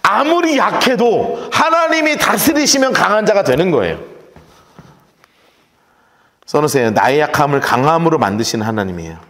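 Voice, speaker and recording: A man's voice: a little high, big pitch swings, moderate pace, pauses often, a bit bright. A male pastor giving an emphatic Bible study sermon in a church, repeating phrases for effect. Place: church sanctuary. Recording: echoey hall reverb.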